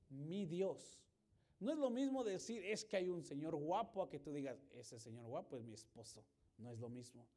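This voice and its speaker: Animated, warm-voiced pastor. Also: male voice, sits high. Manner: animated, swings from loud emphasis to hushed storytelling; acts out quoted dialogue in his telling. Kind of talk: sermon.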